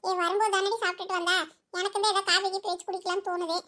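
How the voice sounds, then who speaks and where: A very high, bright, rapid cartoon voice of a fretful village aunt, put on by a performer. She scolds and chatters. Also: flat delivery. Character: fretful village aunt, middle-aged woman. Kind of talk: cartoon voice acting.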